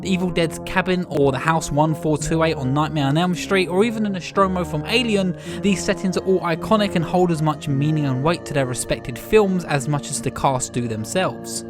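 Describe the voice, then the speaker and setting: A slightly hoarse man narrating a scripted video essay as its host, in an earnest, enthusiastic way. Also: fairly high pitch, normal speed, few pauses. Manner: earnest, enthusiastic reflective delivery. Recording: music playing under the voice.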